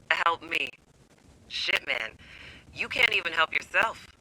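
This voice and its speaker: A man's voice: fairly high pitch, expressive, takes it slowly, pushed and bright, a little hiss or hum, exaggerated voice, poor audio. An actor playing a defiant, suspicious man in hiding in a video game, taunting and sardonic. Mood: mocking, distrustful.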